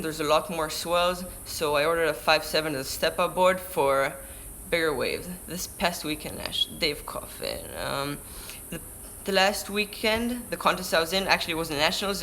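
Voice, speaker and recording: Fairly high in pitch, bright and forceful, the voice belongs to a teenage surfer vlogger from Israel who has a Hebrew accent. He chats through a live stream, reading viewer questions aloud and answering, often breaking off and restarting words. Recorded indoors by a window on a camera-mounted shotgun mic, there is slight background noise.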